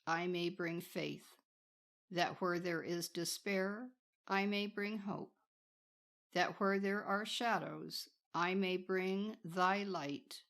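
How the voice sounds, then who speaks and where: A woman narrates a spiritual audiobook in a slightly low voice with a noticeable creak. Her phrasing is solemn and deliberate, set out in measured pieces as a scripted reading. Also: steady tone, a bit bright.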